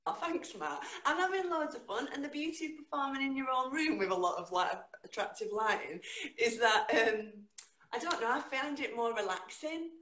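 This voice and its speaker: Animated Northern English woman, echoey room. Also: normal speed. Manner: lively, dramatic delivery with sudden jumps in pitch. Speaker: guest poet. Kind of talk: spoken word performance and casual chat. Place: home room, indoors. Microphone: video call. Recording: echoey room on a video call.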